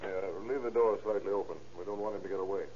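An actor playing a steady, canny police detective who talks in a colloquial, matter-of-fact way in old radio drama. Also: male voice, deep voice, quick pace, lightly acted. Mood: cautious. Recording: dull old radio recording, faint noise.

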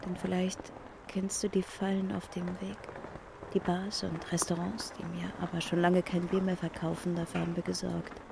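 Gravelly woman narrating over street noise. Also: fairly low pitch, level tone, moderate pace. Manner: intimate, addressing an absent person directly. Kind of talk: scripted literary first-person narration. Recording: loud street and traffic noise.

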